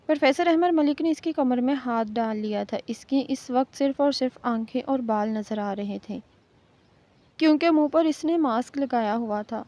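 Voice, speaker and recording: High-voiced woman reading a novel. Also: dark tone. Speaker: novel reader. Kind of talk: scripted audiobook narration. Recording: muffled lo-fi recording.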